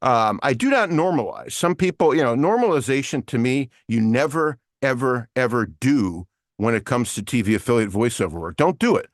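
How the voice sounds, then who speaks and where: A man's voice: medium pitch, animated, moderate pace, dry recording, studio quality. A man teaching an online voiceover lesson with screen share, explaining in a casual way with many fillers. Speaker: voiceover coach.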